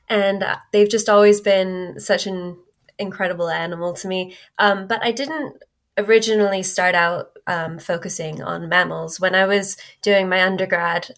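Scottish woman, 20s, slightly Americanized accent, lowish voice, thoughtful, pauses a lot. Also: a bit bright. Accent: Scottish with some American influence. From Scotland. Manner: thoughtful, with frequent hesitations. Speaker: guest, wildlife researcher. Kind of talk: casual interview chat.

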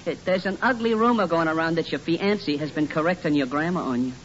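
An actor playing a teasing, wisecracking buddy in a 1940s radio comedy. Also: male voice, fairly high pitch, fast, fairly bright tone, close to an everyday voice. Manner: teasing, joking. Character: wisecracking buddy Jelly Kelly. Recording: dull old radio recording, faint hiss.

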